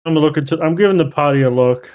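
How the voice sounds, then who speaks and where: A man's voice: on the high side, fast talker, a little mellow. A man chatting casually as a player in a tabletop role-playing game.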